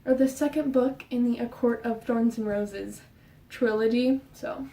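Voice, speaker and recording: A young woman vlogging casually about books, talking fast and rambling, a bit out of breath. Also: fairly high pitch, fairly even intonation, gravelly, warm tone, far from the mic. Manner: fast, rambling, with fillers and restarts. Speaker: book vlogger. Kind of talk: casual book chat. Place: her bedroom. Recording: roomy sound, voice off-mic.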